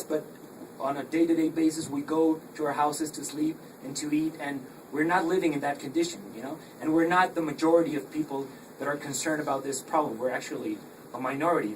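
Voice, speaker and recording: Give me an earnest, halting man asking a question from off-mic, with faint room noise. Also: fairly high pitch. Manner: halting, rephrases often, earnest. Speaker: audience questioner. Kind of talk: spontaneous question at a public talk. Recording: distant mic, noisy room.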